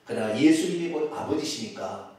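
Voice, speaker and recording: A male pastor preaching an animated sermon, calling out loudly and leading the congregation to repeat after him. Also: on the high side, normal speed. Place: church sanctuary. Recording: echoey church hall from far off.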